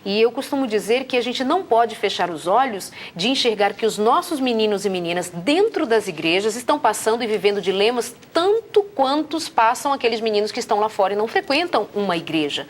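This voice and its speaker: A woman's voice: fairly high pitch, very animated, a little fast, hardly any pauses, a little hiss or hum. A Brazilian woman hosting a talk show, reflecting on the topic and asking probing questions. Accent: Brazilian Portuguese. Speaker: host.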